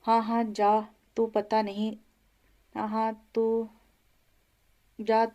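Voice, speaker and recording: A woman's voice: a little high, completely flat delivery, extremely slow, dark tone, highs cut off. A woman voicing a man's blunt, angry lawyer friend in an audio novel, scolding him.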